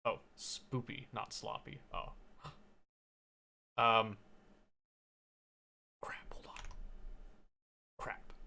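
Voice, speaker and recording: A young man streaming a visual novel, reading the text aloud and joking about it in an animated way. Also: medium pitch. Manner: animated, jokey, reads game text aloud. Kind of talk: game playthrough, reading aloud and commenting. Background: faint piano game music.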